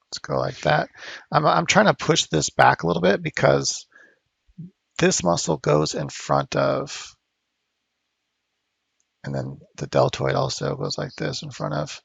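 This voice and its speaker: A man's voice: a little high, animated, measured pace, vocal fry, long pauses, a bit bright, husky, no room sound, highs cut off. A man teaching digital sculpting at home, talking casually and thinking aloud with fillers as he works. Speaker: art instructor. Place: home studio.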